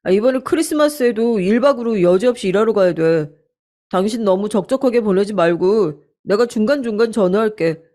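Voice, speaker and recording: A woman's voice: mid-range voice, a little fast, mellow, close to an everyday voice. A woman voicing a defensive, blustering young husband in a radio-style story, irritable and brushing off accusations. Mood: sweet-talking.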